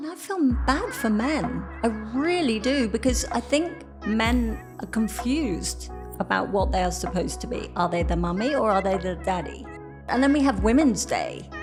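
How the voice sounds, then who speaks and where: The talking keeps a moderate pace. Behind it, there is music in the background. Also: woman. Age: 50s. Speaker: model and lifestyle influencer. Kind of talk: interview answer.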